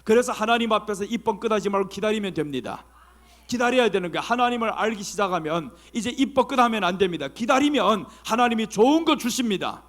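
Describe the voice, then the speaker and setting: A male pastor preaching a sermon with passion, firing off rhetorical questions and sometimes shouting. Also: sits high, expressive, quick pace.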